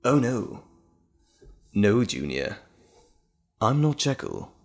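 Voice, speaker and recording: A man playing a gloating, sinister evil alter ego in an audio drama, with a mocking, theatrical, drawn-out delivery. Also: mid-range voice, big pitch swings. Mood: gloating, teasing.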